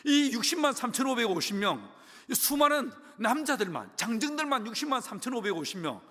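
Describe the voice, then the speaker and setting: A man with a Gyeongsang accent preaching a sermon, telling the story in a lively, colloquial, humorous way. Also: sits high. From Gyeongsang, Korea. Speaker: pastor. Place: church sanctuary. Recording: long church hall reverb.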